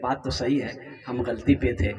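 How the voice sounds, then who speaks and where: A man voicing a remorseful young man who humbly admits his fault in a hushed, low voice. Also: fairly even intonation, normal speed, big-room sound, far from the mic, natural voice. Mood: contrite.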